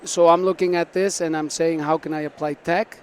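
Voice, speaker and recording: A man's voice: fairly high pitch, little pitch movement, brisk. A man from South America giving earnest, explanatory answers as a startup founder in a conversational interview. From South America (Argentina and Venezuela), born in Canada. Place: busy tech conference floor. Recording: noisy busy event with background ambience.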